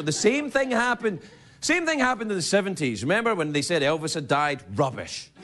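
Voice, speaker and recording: A man doing a rambling stand-up monologue, slipping into silly voices for quick bits. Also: fairly high pitch, noisy background. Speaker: stand-up comedian. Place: comedy stage before a live audience. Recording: live room with loud audience laughter.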